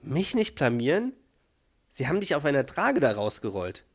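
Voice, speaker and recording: A man's voice: mid-range voice, big pitch swings, normal speed. A man reading an exasperated, scolding wife. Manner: scolding, sarcastic. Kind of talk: podcast read-through of a sitcom scene.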